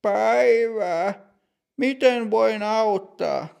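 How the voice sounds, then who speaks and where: A man's voice: high voice, vocal fry, a little mellow, smooth, pitched above the performer's own voice. Man putting on a strict older woman bank clerk. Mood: stern. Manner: slow, precise, formal.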